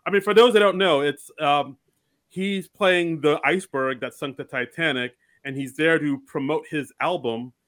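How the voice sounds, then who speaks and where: A man talks animatedly about comedy sketches with a podcast co-host. His voice sits a little high and sounds bright and forward. He laughs easily and trips over his words as he gets excited. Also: moderate pace. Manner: enthusiastic, laughing, frequent restarts. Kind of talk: casual comedy discussion.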